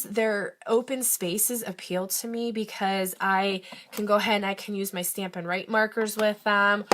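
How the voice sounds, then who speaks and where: Middle-aged woman, home livestream craft host, slightly raspy, chatty, medium pitch. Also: a bit bright. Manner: chatty and enthusiastic, with frequent fillers. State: raspy from recent illness. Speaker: independent craft demonstrator hosting a live stream. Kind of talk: casual live craft demonstration. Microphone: phone or tablet livestream.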